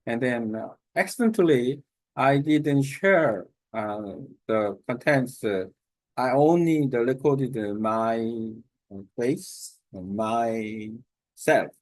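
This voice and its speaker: Halting man, slow and hesitant. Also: mid-range voice, dry recording, low-quality recording. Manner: halting, many fillers and restarts. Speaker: language learner. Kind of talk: casual self-recorded talk.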